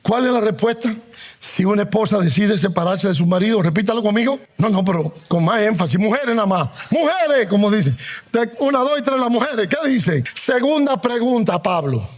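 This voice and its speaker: Man preaching, high voice, emphatic drawn-out stresses, calls for the congregation to repeat, joking asides. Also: lively intonation. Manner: conversational humor woven into Bible teaching. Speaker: pastor. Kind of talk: sermon.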